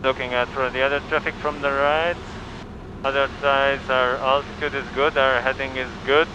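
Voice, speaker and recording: A man's voice: mid-range voice, little pitch movement, moderate pace. A man flying solo as a student pilot, talking through checks and radio calls in a clipped, methodical way. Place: small aircraft cockpit in flight. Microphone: cockpit intercom headset. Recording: dull cockpit audio with aircraft noise.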